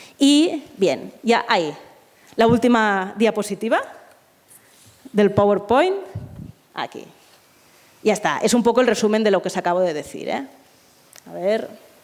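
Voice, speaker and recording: A woman's fairly high voice with a Catalan accent, lively intonation, a fairly slow pace, and long, frequent pauses. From Catalonia, Tarragona. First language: Catalan (speaking Spanish). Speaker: sociolinguist. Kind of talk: lecture. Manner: hesitant with fillers.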